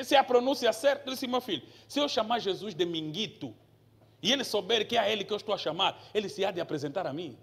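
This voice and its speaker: High, bright-voiced pastor. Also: male voice, gravelly. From Angola. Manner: conversational teaching that builds to forceful preaching, with rhetorical questions. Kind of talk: Bible teaching sermon.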